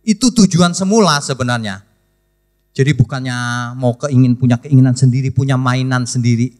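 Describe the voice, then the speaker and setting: A middle-aged male pastor preaching a sermon, direct and animated, asking rhetorical questions and speaking informally to the congregation. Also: medium pitch, normal speed.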